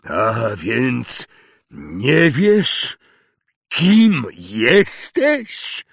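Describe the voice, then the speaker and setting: A man voicing Hagrid, a huge, hot-tempered male half-giant in a storybook reading, booming, slow and emphatic. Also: wildly swooping pitch, gravelly, fairly bright tone, no echo, clean studio sound, full character voice. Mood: angry.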